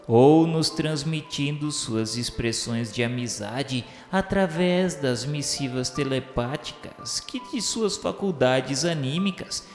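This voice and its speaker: A man with a Brazilian accent narrating an audio novel in a formal, solemn, declamatory and earnest literary style. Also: mid-range voice. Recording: echoey hall reverb with music behind. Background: music.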